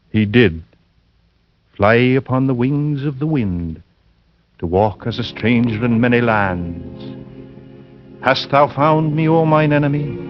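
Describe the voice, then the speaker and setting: A scripture-quoting madman who kills, rants in a biblical cadence or turns hushed and insinuating. He speaks slowly, and his voice sits in a middle register. Heard on a dull old radio broadcast with faint music behind him. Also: mid-range voice. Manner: hushed, insinuating when calm. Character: fanatical, scripture-quoting male killer lodger. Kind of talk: 1940s radio acting.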